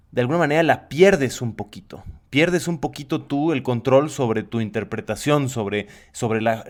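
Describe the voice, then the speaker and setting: A man in a thoughtful discussion, explaining reflectively and restating his phrases as he goes. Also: mid-range voice.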